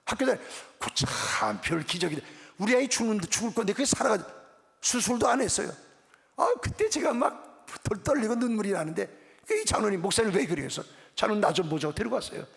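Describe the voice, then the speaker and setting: A man's voice: high voice, fast talker, creaky. A middle-aged man preaching a revival sermon as pastor, telling stories and acting out the dialogue. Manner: animated storytelling, acts out dialogue. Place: church sanctuary. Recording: reverberant church hall.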